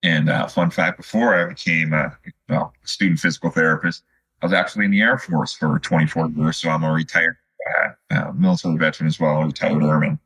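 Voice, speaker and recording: A man in his fifties from Chicago, answering as a podcast guest in a conversational, halting and reflective way. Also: rumbling low, fairly even intonation, a bit bright, husky. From Chicago, United States. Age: 50s. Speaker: podcast guest, student physical therapist.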